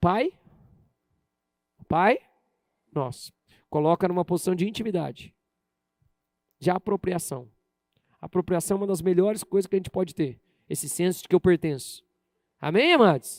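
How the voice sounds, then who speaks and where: The man's pitch is high, with ordinary variation, and he leaves long, frequent pauses. The sound is dry and close, with no echo. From Brazil, Maringá (Paraná). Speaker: pastor. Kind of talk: sermon. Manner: fast.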